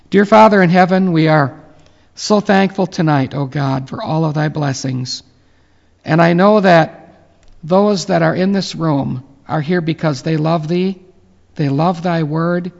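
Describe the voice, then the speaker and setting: A man in his late fifties with a deeply gravelly, slightly high voice leads a reverent prayer. He talks earnestly, pausing with fillers. The recording is dull and carries a long reverb. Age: 50s. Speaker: pastor. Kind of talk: closing remarks and prayer.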